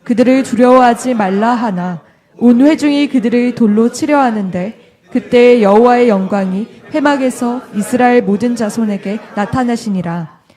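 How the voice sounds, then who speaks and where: A woman reading a scripture passage aloud in a steady, measured way. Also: on the high side.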